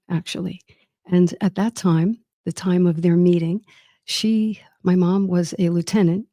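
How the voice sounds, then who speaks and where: A woman's voice: on the low side, no echo, studio quality. Wry woman telling her family story. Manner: warm, wry and reflective. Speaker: host. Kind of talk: personal storytelling monologue.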